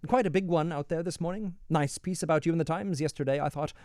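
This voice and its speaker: A man's voice: a little high, fast, darkish tone, no echo, clean studio sound, voice pushed up, natural voice. A man voicing a cheerful, businesslike young hangman who chats politely and keeps saying sir, in a voice raised above his own. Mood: eager. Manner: friendly, businesslike, says "sir" often. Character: cheery young male hangman, eager and chatty.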